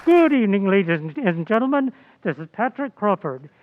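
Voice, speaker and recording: A male announcer in the old-time radio manner, declaiming polished scripted narration. His voice is pitched very high for a man and comes through narrow and phone-like. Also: sing-song, fairly quick, no room sound, a faint crowd.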